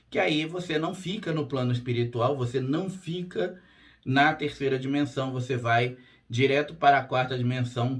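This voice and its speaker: A hoarse man hosting his own channel as a spiritual therapist, talking straight to camera in a plain, direct way, often checking in with his listeners. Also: medium pitch. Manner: direct and plain-spoken, frequent "tá?" check-ins. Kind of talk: casual monologue to camera.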